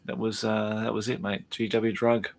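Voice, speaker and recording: A man's voice: fairly low pitch, little pitch movement, normal speed, gravelly. Laid-back Australian man in his fifties. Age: 50s. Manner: laid-back, calls people mate, trails off with fillers. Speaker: podcast guest. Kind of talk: casual chat.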